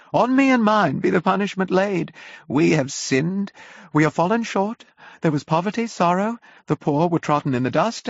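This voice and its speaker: A man's voice: creaky, dry recording, full character voice. A man voicing a frenzied male curate who rants like a doomsaying prophet. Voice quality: shrill, wailing preacher's cry. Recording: dull, lo-fi.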